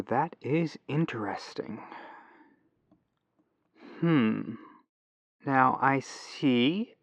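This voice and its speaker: A helpful male tech support agent , acted by a man, talks softly and politely in an ASMR phone roleplay. He is very unhurried, musing aloud with pauses, and his mid-pitched voice has a creaky edge. The sound is a dull, lo-fi telephone line. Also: dry recording. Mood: puzzled, musing. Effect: lo-fi telephone filter.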